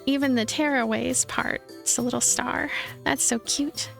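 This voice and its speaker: A woman with a high voice plays through a visual novel, reading it out like a story and chatting casually in between. Faint music plays behind her. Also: fairly even intonation, moderate pace, vocal fry. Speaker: let's play streamer.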